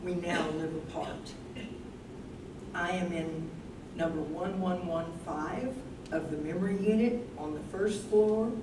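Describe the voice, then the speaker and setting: An older woman playing a candid, reflective wife living with Alzheimer's in a staged reading, speaking deliberately. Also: on the low side, natural voice. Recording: roomy, distant, noisy live stage recording.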